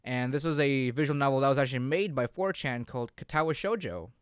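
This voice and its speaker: A man's voice: mid-range voice, animated, fast talker, clean tone, dry recording, clean studio sound. A man in his twenties co-hosting a casual unscripted chat, rambling and often repeating his words. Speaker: podcast co-host.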